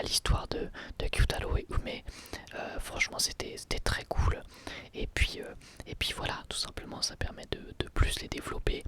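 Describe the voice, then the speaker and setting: A man giving a whispered ASMR review, talking in a relaxed, rambling way with hesitant restarts. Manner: soft unvoiced whisper throughout.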